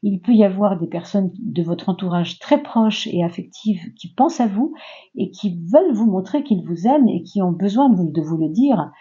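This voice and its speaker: A woman's voice: mid-range voice, expressive, normal speed, dark tone, muffled recording. A woman giving a casual, reassuring tarot reading to her viewers, talking loosely with many fillers. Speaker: tarot reader.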